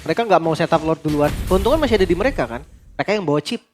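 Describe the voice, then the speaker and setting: A man co-commentating a live esports match, mixing casual analysis with excited calls. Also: fairly high pitch, rapid-fire. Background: game music.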